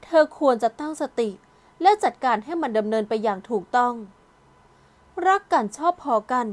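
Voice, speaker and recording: A woman narrating an audio novel in a calm, gentle storytelling voice. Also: a little high, normal speed. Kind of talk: scripted narration.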